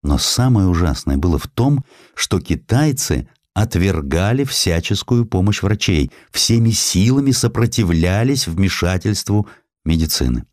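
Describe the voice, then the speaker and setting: A man narrating a historical story as an audiobook, in a measured, expressive, solemn and dramatic manner. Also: low voice, no room sound, studio quality. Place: dry studio.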